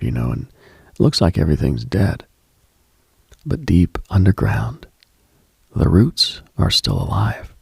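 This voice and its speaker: A man hosting a late-night spiritual radio show, speaking in a hushed, breathy, reflective monologue. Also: rumbling low, no room sound, studio quality.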